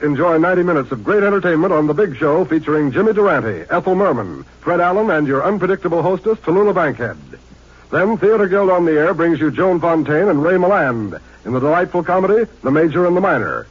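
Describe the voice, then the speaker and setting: A man's voice: fairly high pitch, lively intonation, fairly quick, husky. A man announcing network programs in a showy, polished 1950s radio promotional style. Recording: muffled 1950s radio recording.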